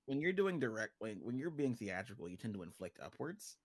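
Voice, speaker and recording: A man's voice: medium pitch, big pitch swings, brisk. A man talking casually on a livestream as a guest writer and director, explaining things in an informal, joking way.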